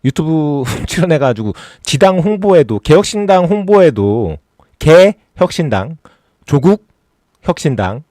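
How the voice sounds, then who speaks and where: A man's voice: on the high side, big pitch swings, unhurried, warm tone, dry recording. Guy hosting a political stream, sarcastic and mocky, voice swings up and down a lot, dry close sound. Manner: sarcastic, mocking, rising to exasperated rants. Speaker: political YouTube host. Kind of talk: casual political commentary livestream.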